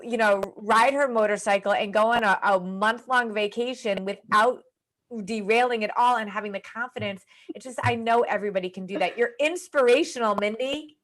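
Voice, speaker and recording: High-voiced, gushing woman host. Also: a bit bright. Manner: gushing, emphatic. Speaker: host and coach interviewing a guest. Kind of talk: effusive, encouraging interview chat.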